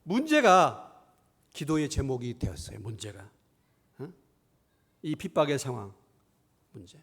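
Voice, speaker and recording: A middle-aged man preaching a sermon as pastor in a church, asking rhetorical questions and moving between hushed asides and raised, emphatic lines. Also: medium pitch, lively intonation, normal speed, vocal fry, breathy edge. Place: church sanctuary.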